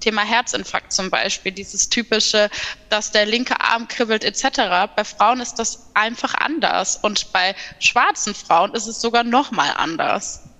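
A woman speaks at a fairly slow pace with a fairly high pitch and ordinary pitch variation. Background noise is noticeable. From Ruhr area, Germany. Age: 20s. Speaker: patient advocate. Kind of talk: panel discussion. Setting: video call.

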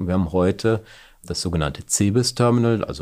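This man has an unremarkable speaking voice, fairly low in pitch, with ordinary pitch variation at a moderate pace. The recording is very clean, with a silent background. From Germany, East Westphalia (Bielefeld). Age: 30s. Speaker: product strategy manager at a farm machinery maker. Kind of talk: interview.

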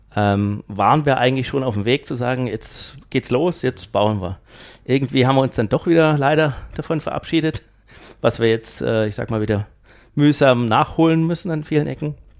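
A man with medium pitch uses an ordinary speaking voice, talking at a moderate pace with ordinary pitch variation. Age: 40s. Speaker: automotive engineer and manager. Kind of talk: interview.

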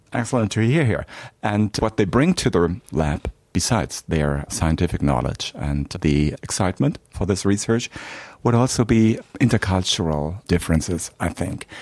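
Speaking at a moderate pace, a man uses a very deep, low pitch. His intonation is lively. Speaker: university podcast host. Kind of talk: interview, formal.

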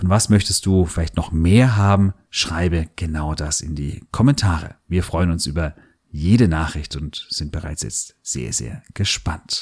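Over a very clean, silent background, a man with a very deep, low pitch and a somewhat breathy voice speaks at a fairly slow pace with lively intonation. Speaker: podcast host. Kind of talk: interview.

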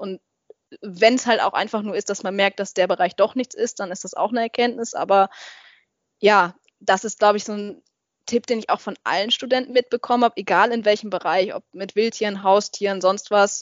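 A woman talks at a fairly quick pace with fairly even intonation. It is a plain, everyday voice. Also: medium pitch for a woman. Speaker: animal management graduate, dog trainer. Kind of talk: casual interview.

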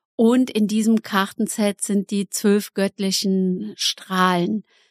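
A woman of medium pitch speaks at a very slow pace. The recording is very clean with a silent background, and the sound is dry and close with no echo. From Rhineland, Cologne area. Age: 50s. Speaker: spiritual medium and astrologer. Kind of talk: casual interview. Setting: studio.

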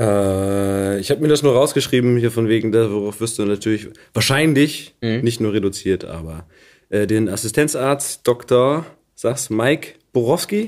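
Speaking at a moderate pace with ordinary pitch variation, a man uses a medium pitch on a very clean recording with a silent background. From northern Germany, Wedel and near Bremen. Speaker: podcast host. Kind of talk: interview.

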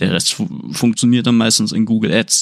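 A man with an ordinary speaking voice, medium pitch and a fairly quick pace. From East Frisia, northern Germany. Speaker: web analytics specialist. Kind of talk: casual chat. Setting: studio.

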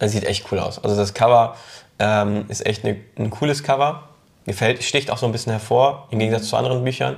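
Somewhat breathy, a man talks at a medium pitch and a fairly quick pace with ordinary pitch variation. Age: 30s. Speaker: influencer, podcast host. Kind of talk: casual chat. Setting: studio sofa.

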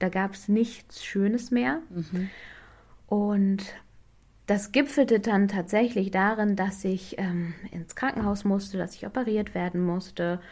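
A woman with a somewhat breathy voice speaks at a very slow pace, her pitch varying in an ordinary way. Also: medium pitch for a woman, very clean recording, silent background. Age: 30s. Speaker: life coach for mothers. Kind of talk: interview.

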